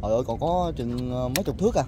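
A man hosting a fishing vlog, calling out excitedly to his friends and the viewers from a small river boat. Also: mid-range voice, rapid-fire, a crowd in the background. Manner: excitable, calls out and whoops. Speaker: vlog host. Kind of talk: excited casual commentary on a fishing trip. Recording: outdoor boat noise.

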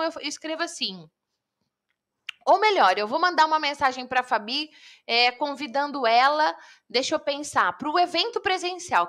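A woman coach teaching public speaking in a live online lesson, lively and talking straight to viewers. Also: high voice. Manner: lively, addresses viewers directly.

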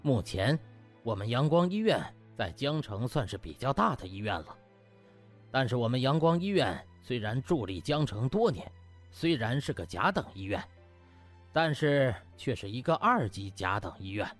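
A man's voice: mid-range voice, very animated, moderate pace, faint music behind. A man voicing a pompous, self-important male hospital vice director making officious speeches. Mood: pompous, rallying.

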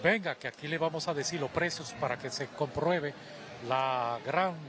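A man's voice: fairly high pitch, normal speed. A middle-aged Dominican man at an expo fair stand, inviting people in and promoting offers. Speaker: company employee. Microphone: interviewer's handheld mic. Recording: noisy fair hall.

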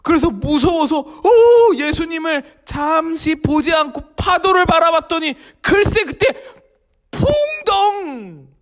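A man leading a children's worship service, telling a story in an animated, exclamatory way and asking the children questions. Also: very high voice, measured pace, hardly any pauses.

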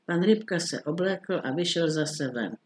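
Man reading a story aloud, calm, steady, slightly high voice. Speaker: reader. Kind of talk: audiobook narration of a classic short story.

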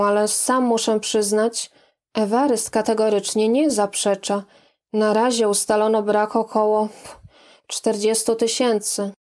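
A woman's voice: medium pitch, a little mellow, lightly acted. A woman reading the part of a hesitant, evasive young man who speaks in a soothing, careful way.

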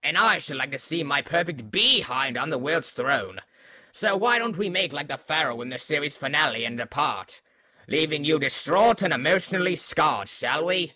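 A man's voice: a little high, lively intonation, normal speed, pushed and bright, dry recording. A man playing a brash, mocking, slightly unhinged Christmas spirit in a fan audio drama, with flippant, theatrical delivery. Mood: mocking, impatient.

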